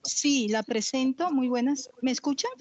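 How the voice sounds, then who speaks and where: A Colombian woman in her forties reads an academic paper in a measured, formal way. She speaks on a fairly high voice through a headset, the sound very dry and a little dull. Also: darkish tone, no echo. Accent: Colombian Spanish. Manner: measured, formal, reading aloud. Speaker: conference speaker. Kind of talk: academic lecture read from text. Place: home office, video call.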